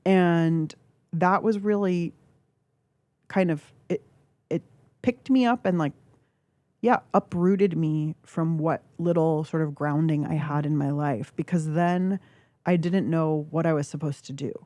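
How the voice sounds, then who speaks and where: Low, mellow-voiced woman, reflective. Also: fairly even intonation, no echo. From California. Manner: reflective, halting, with filler words. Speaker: guest author. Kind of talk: candid radio interview. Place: radio studio. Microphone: studio microphone.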